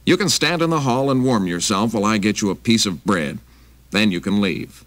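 Un homme jouant une grosse dame avare et grincheuse. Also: male voice, fairly low pitch, animated, fairly quick, no echo, pitched above the performer's own voice, close to an everyday voice. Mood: scolding. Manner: scolding, curt. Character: stingy grumpy big woman, cold and cranky.

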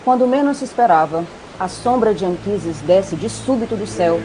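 A woman's voice: medium pitch, lively intonation, normal speed, very noisy, natural voice. A woman with a Brazilian accent reading scripted narration for an epic audio drama.

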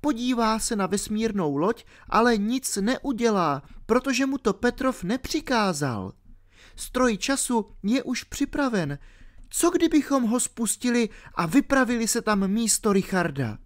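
A reader uses a raised, sing-song, medium-pitched natural voice to play a bold, determined ten-year-old girl in a storybook, speaking eagerly and insistently.

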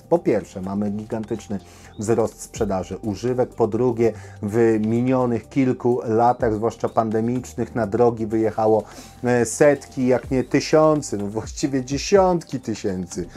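A man hosts an informal news show in a dark, relaxed voice at a medium pitch. He talks straight to his viewers and gives his opinions freely, often pausing mid-phrase to find the next word. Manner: opinionated, addressing viewers directly. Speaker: host of a camping news show.

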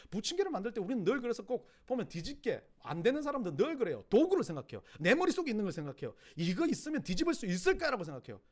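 A middle-aged male pastor with a Gyeongsang Korean accent, preaching a sermon, swinging from loud emphatic cries to hushed low asides.

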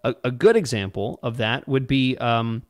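A man's voice: mid-range voice, animated, moderate pace, dry recording, clean studio sound. A man in his thirties co-hosting a podcast, explaining with examples in a conversational way. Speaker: podcast co-host. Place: home room, indoors. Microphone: podcast mic on boom arm, close.

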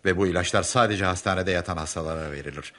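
An actor playing an earnest, cautious hospital doctor in a radio drama, speaking in a measured, matter-of-fact way. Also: male voice, low-pitched, a bit bright. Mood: calm, informative. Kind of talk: Turkish radio drama acting.

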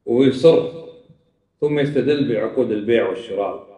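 A man's voice: mid-range voice, a little fast, dark tone. A man giving a scolding religious lecture, asking rhetorical questions and mocking opposing arguments. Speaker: preacher. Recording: echoey room, speaker far from mic.

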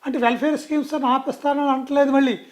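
A man's voice: very high-pitched, steady tone, fast. A man speaking as a guest in a political interview, talking emphatically and often restarting and correcting himself mid-sentence.

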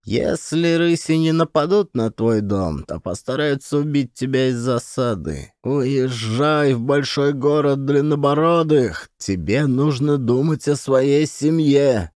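A man voicing a wise, commanding woman, a tribal chief and sorceress, in a measured, warning manner for an audiobook. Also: medium pitch, a little mellow, dry recording, clean studio sound, pitched above the performer's own voice, natural voice. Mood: grave warning.

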